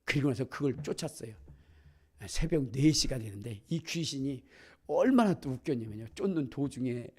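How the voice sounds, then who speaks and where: A middle-aged man preaching a sermon as pastor, telling stories with acted-out voices and rising to loud exclamations. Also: mid-range voice, normal speed, slightly rough. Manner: animated storytelling, acting out voices, builds to shouts.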